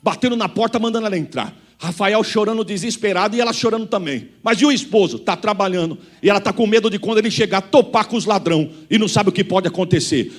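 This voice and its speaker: A Brazilian man preaching a fervent testimony, calling out to the congregation. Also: high voice. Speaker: pastor.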